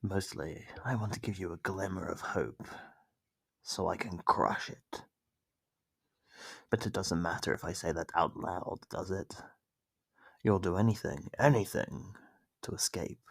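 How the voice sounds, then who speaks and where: A man playing a sadistic monster in an ASMR horror roleplay, taunting captive prey with mock politeness in a gravelly, husky, whispery-edged voice, close to the microphone. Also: deep voice, a little slow, long pauses, no room sound, heavily acted. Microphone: close, dry microphone.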